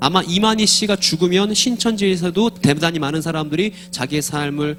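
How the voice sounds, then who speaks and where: This man's high-pitched voice shows ordinary movement in its pitch. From South Korea, Suwon. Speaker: lecturer on cults and eschatology. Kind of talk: church lecture. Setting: church with congregation. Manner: fast; animated.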